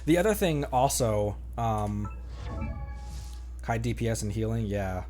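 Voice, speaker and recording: A man streaming a game, chatting casually in a rambling, halting way that often interrupts itself. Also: on the low side, animated, warm tone. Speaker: game livestreamer. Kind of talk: casual gaming chat. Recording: music playing behind the voice.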